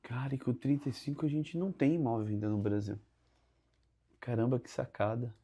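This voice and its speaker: A man's voice: mid-range voice, fairly even intonation, brisk, dark tone, husky. A Brazilian man with a Brazilian Portuguese accent hosting a podcast, reacting with exclamations and asking hypothetical questions. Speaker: podcast host. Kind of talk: casual podcast interview.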